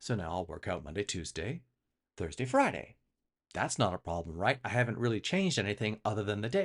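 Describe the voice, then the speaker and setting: With a normal speaking voice, a man speaks fairly quickly at a fairly low pitch, the sound dry and close with no echo against a quiet background. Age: 50s. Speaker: life coach. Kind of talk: personal vlog monologue. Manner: conversational.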